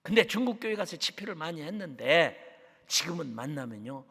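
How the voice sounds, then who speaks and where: A man preaching a sermon as a guest missionary, fervent, dropping to hushed tones and rising to shouts. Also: fairly high pitch, sing-song, brisk, husky. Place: church sanctuary. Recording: long church hall reverb.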